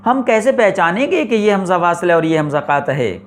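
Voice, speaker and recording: Slow-explaining male religion teacher. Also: sits high, very animated, a little hiss or hum. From Pakistan. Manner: slow, deliberate explanation with repetition and rhetorical questions. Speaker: Quran recitation teacher. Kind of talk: religious classroom lecture.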